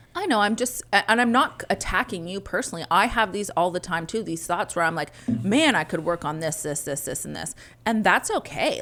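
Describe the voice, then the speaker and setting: A woman speaks with very wide pitch swings and hardly any pauses. Noticeable background noise runs underneath. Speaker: podcast co-host. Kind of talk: casual chat.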